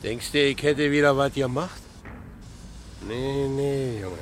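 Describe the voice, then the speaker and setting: A man's voice: mid-range voice, slow, slight background noise, natural voice. An actor playing a burly, plain-spoken Berlin working man, an ex-convict narrating his own story in a radio play in short colloquial phrases. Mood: suspicious.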